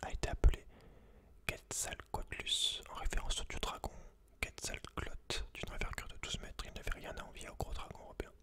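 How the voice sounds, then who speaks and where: At a normal speed, a man hosting ASMR whispers in an unvoiced, breathy way, reading text aloud and slipping in informal, slangy asides to whoever is listening.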